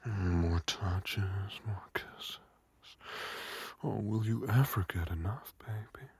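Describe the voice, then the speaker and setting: A man whispering a slow, coaxing intimate audio roleplay in a soft, breathy voice. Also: lowish voice.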